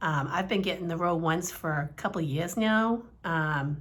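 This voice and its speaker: A woman with a somewhat breathy, fairly low voice talks at a moderate pace with ordinary pitch variation, and room echo is audible. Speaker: crafting vlogger. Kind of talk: casual show-and-tell vlog. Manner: animated.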